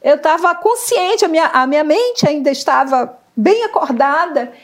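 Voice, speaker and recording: A middle-aged woman giving an emotional faith testimony, earnest and halting, often searching for words. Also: high-pitched, lively intonation. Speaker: guest sharing testimony.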